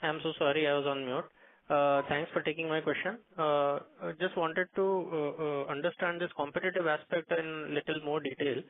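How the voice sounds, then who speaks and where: A man's voice: on the high side, fairly even intonation, moderate pace, no room sound. A man with an Indian accent, an analyst politely and somewhat hesitantly asking a question on an earnings call. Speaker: financial analyst. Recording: narrow tinny phone line.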